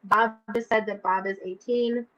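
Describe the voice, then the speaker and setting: A woman's voice: mid-range voice, fairly even intonation, normal speed, fairly bright tone, dull audio. A woman in her twenties hosting a casual live chat, giggling often and reading out viewer comments. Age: 20s. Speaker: host of a live stream.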